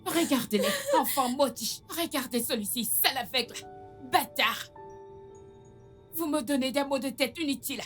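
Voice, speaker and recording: An actress playing a cruel, bitter aunt who scolds and threatens with insults. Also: female voice, sits high, moderate pace, fairly bright tone, soft background music. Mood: scolding. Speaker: abusive aunt. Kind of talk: dubbed film drama.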